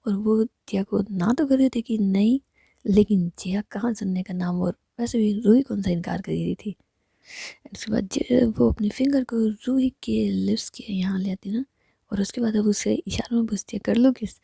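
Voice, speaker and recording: A woman's voice: mid-range voice, normal speed, creaky, dark tone, slightly rough, dry recording. Whispering woman telling a love story. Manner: intimate, mostly whispered narration. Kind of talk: retelling a romance story.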